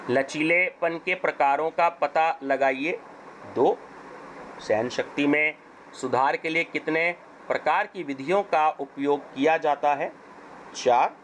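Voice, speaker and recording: A hoarse male teacher with an Indian accent reads exam questions and answers at a very slow, careful pace. His voice sits a little high for a man. A faint air-conditioner hum runs underneath. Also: poor audio. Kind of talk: exam paper walkthrough.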